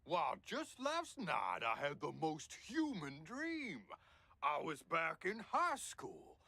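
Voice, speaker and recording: A man's voice: on the high side, wildly swooping pitch, slow pace, gravelly, pushed and bright, dry recording, exaggerated voice. An actor voicing a synthetic man who poses as a folksy, cheery human and insists too hard that he is one. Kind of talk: video game character dialogue.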